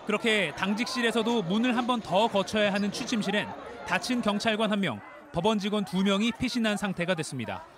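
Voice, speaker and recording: A man narrating a scripted news report in a steady, formal, descriptive way. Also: high voice, fast, hardly any pauses, a crowd in the background, noisy background.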